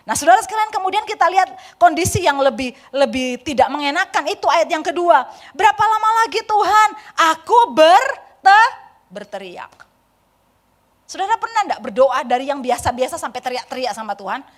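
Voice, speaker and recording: Animated high-voiced woman preaching a sermon. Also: fairly quick. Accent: Indonesian. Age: 40s. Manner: animated, swings from loud pleading to soft confiding. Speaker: pastor. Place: church sanctuary.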